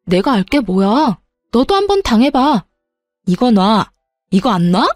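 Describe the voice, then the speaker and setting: A woman's voice: a little high, very animated, measured pace, dry recording, faint music behind. Woman playing an angry young bride-to-be. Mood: furious. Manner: sharp, heated.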